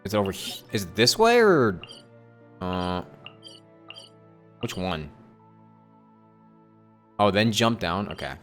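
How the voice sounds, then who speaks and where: A man's voice: lowish voice, wildly swooping pitch, slow, long pauses. A man livestreaming a game, talking casually and thinking aloud, often repeating his phrases as he rambles. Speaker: live game streamer. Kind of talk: casual livestream chat while playing a game. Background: game music.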